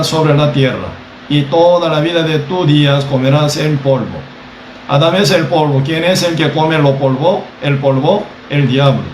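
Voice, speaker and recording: This sermon comes from a male preacher from Costa Rica whose voice is slightly higher than typical. He teaches in a measured way, often repeating "¿verdad?" to check on his listeners, while the room echoes and faint ambient sound lingers behind him.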